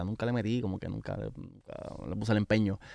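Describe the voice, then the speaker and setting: A man's medium-pitched voice, dark and mellow in tone, with fairly even intonation over a quiet background. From Puerto Rico, Coamo. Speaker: videographer and barber. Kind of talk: casual interview chat. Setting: studio.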